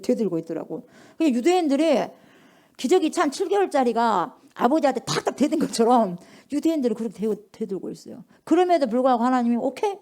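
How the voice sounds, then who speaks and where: Middle-aged female pastor, fairly high voice, animated sermon with call-and-response. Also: quick pace. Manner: lively call-and-response preaching, acts out dialogue.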